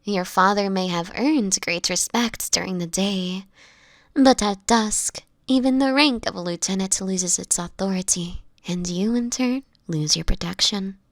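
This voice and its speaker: A woman acts out a sickly, world-weary vampire woman for an intimate audio drama. She speaks at a very unhurried pace, hushed and breathy, with slightly formal old-fashioned wording. Her tone is gentle and protective, and the sound is dry and close. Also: mid-range voice, no room sound, natural voice. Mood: grave warning. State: sickly, frail, with coughs.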